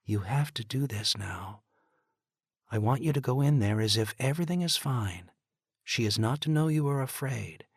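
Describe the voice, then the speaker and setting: A man's voice: medium pitch, lively intonation, normal speed, breathy edge, dry recording, studio quality, voice pushed up. A man doing an earnest woman nurse.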